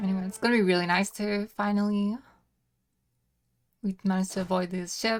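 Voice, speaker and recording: A woman with a medium pitch speaks in a monotone, flat intonation, with long, frequent pauses. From Scotland, Edinburgh. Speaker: gaming streamer. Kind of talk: casual gameplay commentary. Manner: chatty, lots of fillers.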